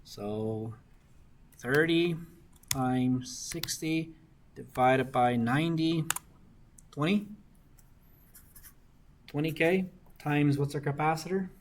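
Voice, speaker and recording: Slow-paced man checking in with students. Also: fairly high pitch, slight background noise. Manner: keeps checking in with the class, saying "right?" often. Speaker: engineering discussion instructor. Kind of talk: teaching while working circuit problems.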